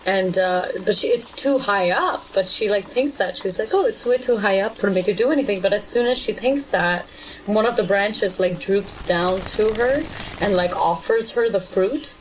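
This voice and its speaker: A woman with a mid-pitched voice improvises a story for a tabletop game. Her phrasing is loose and conversational, full of small hesitations. A little noise sits behind her. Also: poor audio. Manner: halting, loose phrasing with many likes.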